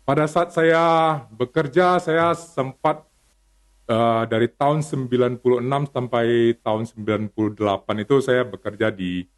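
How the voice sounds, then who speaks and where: A man's voice: medium pitch, moderate pace. A man tells his life story as a guest. He talks in an earnest, motivational way. He repeats key phrases to stress them. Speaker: guest business founder.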